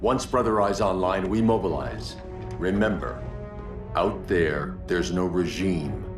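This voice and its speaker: A very deep, stern male leader, clipped and commanding, set back from the mic under a loud swelling game score. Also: measured pace, distant mic, music in the background. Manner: terse, stern, gravely commanding.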